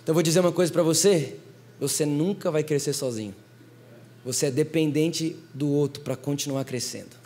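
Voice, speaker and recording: A young male preacher with a Brazilian Portuguese accent and a high voice. He tells stories in a lively, animated way and turns often to the congregation as he speaks. His delivery moves at a quick pace. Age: young adult. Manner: animated storytelling, talking straight to the congregation. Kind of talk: sermon.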